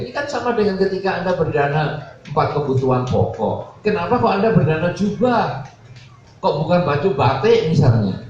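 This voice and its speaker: A man's voice: darkish tone, a little hiss or hum. A man preaching a Buddhist sermon, telling a story and acting out the dialogue with a playful, joking manner. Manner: storytelling, acts out dialogue with varied pitch, jokey. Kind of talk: sermon with anecdotes. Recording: echoey hall, distant mic, dull sound.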